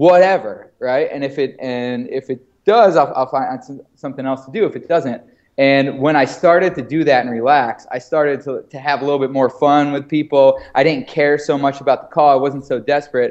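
Speaking in an American accent, a man has an unremarkable speaking voice at a fairly high pitch, with a moderate pace and fairly even intonation. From Pittsburgh, US. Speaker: sales leader. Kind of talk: casual interview. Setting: video call.

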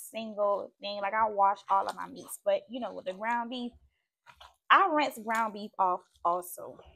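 In a quiet setting, a woman speaks at a moderate pace with ordinary pitch variation. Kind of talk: casual cooking tutorial chat. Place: kitchen.

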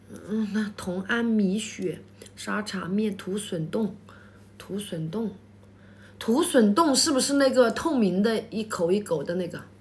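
Somewhat breathy and animated, a woman of medium pitch speaks at a fairly slow pace with lively intonation. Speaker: livestream host. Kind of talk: casual chat. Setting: livestream. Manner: animated, chatty.

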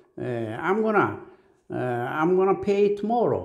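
A man speaks with audible echo in the room. The background is quiet. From South Korea. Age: 70s. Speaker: English teacher. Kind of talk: lesson. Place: classroom. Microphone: phone near.

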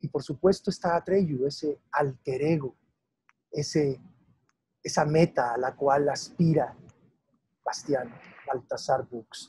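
A man with a fairly high pitch speaks at a very slow pace with long, frequent pauses. His somewhat breathy, dark, mellow tone shows ordinary pitch variation. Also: dry, close sound with no echo. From Mexico. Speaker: actor and storyteller. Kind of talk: book launch presentation talk.

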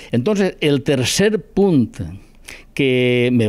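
A man with a Valencian accent, medium pitch and very wide pitch swings, against a quiet background. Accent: Valencian Catalan. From Valencia region, Alzira; Valencia region. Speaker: retired company director; interviewee. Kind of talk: interview. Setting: at his home. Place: home room. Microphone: handheld.

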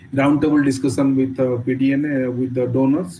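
Through noticeable background noise, a man speaks at a medium pitch and a fairly quick pace. His somewhat breathy voice has a dark, mellow tone and fairly even intonation. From India, Odisha. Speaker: disaster risk reduction expert; webinar presenter. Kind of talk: webinar lecture. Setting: online webinar. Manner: fast; halting, many fillers. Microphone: video call.

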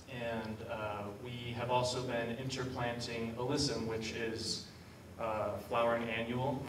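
Noticeable background noise runs under a man's voice. He speaks with monotone, flat intonation. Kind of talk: presentation talk. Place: hall. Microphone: camera far.

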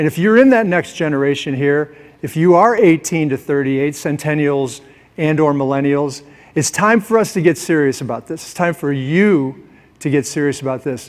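Showing ordinary pitch variation, a man talks at a moderate pace. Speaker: speaker. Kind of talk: motivational talk. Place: stage. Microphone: lapel.

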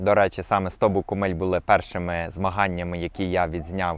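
A man is speaking. The sound is dry, with no echo. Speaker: trail runner vlogger. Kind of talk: casual vlog chat. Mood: cheerful, upbeat. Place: street. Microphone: lapel.

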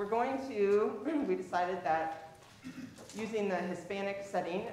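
A woman with lively intonation at a moderate pace, amid audible room echo and light background noise. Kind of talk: announcements to congregation. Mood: friendly, lightly humorous. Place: church.

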